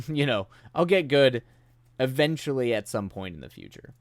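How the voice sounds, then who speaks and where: A man's voice: mid-range voice, lively intonation, unhurried, dry recording. A man hosting a live writing stream, chatting casually and rambling with a self-deprecating humor, while he's coming down with a cold and his voice is starting to go. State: getting sick, voice starting to go.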